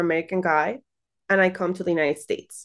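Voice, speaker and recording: Against a quiet background, a woman with a Spanish accent speaks at a fairly quick pace and medium pitch. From Mexico. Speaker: former attorney turned remote sales closer. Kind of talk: casual interview. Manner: enthusiastic.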